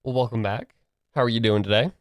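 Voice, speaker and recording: A man's voice: medium pitch, fast, no echo. A young man streaming solo, rambling casually with lots of fillers, his voice a bit stuffy and nasal from a cold and tired from the morning. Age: young adult. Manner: rambling, filler-heavy, restarts often.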